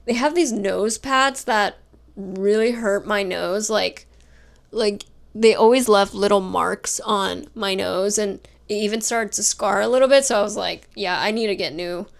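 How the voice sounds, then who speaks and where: A young woman vlogging casually to camera, soft-spoken and chatty, her voice worn and fading from talking all day. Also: mid-range voice, measured pace, gravelly. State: tired, fading voice. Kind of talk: casual vlog talk.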